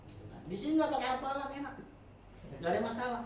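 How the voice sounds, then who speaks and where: A man teaching a religious study circle in a chatty, joking sermon style, swinging between loud and soft. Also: very high voice, animated, fast, slight background noise. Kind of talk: informal sermon. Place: prayer room. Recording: very echoey room, voice from far off.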